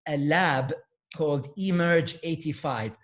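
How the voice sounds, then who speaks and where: A man hosts an online talk from his computer, introducing his guest and moving through slides. His voice sits somewhat high for a man, and he speaks loosely, with fillers and a few Arabic words mixed in. The sound is plain computer-mic audio on a video call. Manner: relaxed, halting with fillers, mixes in Arabic words. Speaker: host.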